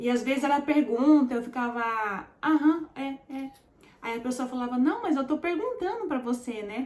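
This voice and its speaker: A woman with a high voice speaks at a fairly slow pace with ordinary pitch variation. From Japan. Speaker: vlogger. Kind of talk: casual chat. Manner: conversational, hesitant.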